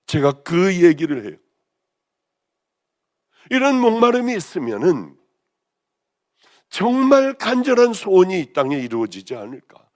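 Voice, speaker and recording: A woman pastor with a hoarse voice, preaching a sermon with passion, rising to loud exclamations and then dropping to hushed, almost whispered lines. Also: on the low side, very animated, measured pace, long pauses. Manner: impassioned, swinging between raised exclamations and hushed near-whispers.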